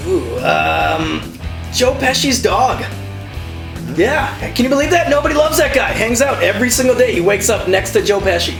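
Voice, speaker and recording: A woman's voice: on the high side, lively intonation, normal speed, vocal fry, reverberant, music in the background. A woman doing goofy, irreverent comic banter as a guest on a radio show. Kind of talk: joking banter and silly sound effects.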